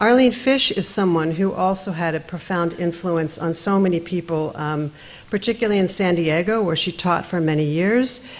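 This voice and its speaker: Speaking at a moderate pace, a woman has an unremarkable speaking voice, fairly low in pitch with ordinary pitch variation. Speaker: art school president. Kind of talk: lecture. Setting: stage with audience.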